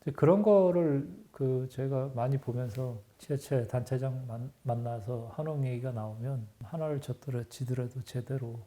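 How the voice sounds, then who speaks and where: A man's voice: medium pitch, moderate pace, hardly any pauses, dark tone. A man, a hotel chairman, giving earnest and critical answers in an interview.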